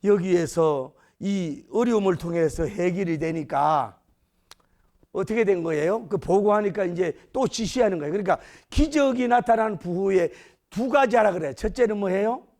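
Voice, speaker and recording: A male pastor preaching a sermon, acting out scenes with sudden shouted lines. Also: sits high, normal speed.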